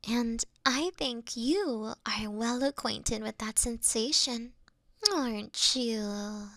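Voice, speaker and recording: A woman voicing a mischievous, doting fox woman in intimate roleplay ASMR, with a soft, breathy half-whisper and a coy, teasing delivery. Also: a little high, takes it slowly, dry recording, studio quality. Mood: tender, wistful.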